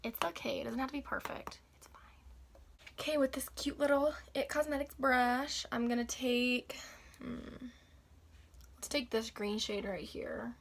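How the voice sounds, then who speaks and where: A young woman with a raspy, slightly hoarse voice after the flu, chatting casually through a makeup tutorial. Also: fairly high pitch, fairly even intonation, measured pace, a little hiss or hum. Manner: chatty, upbeat, filler-heavy. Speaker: beauty vlogger.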